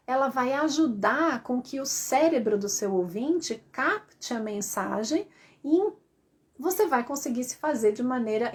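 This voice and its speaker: A woman voice coach giving a lively live-stream lesson, asking her viewers rhetorical questions. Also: on the high side.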